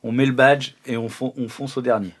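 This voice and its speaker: A man's voice: medium pitch, fairly even intonation, brisk, crowd noise. A man playing a tabletop role-playing game, chatting casually with the group.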